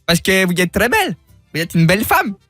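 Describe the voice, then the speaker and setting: A man's voice: high voice, sing-song, brisk, pushed and bright, faint music behind, heavily acted. A man putting on a flirty Mexican neighbor. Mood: courting. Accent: Mexican, put on. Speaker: prank caller.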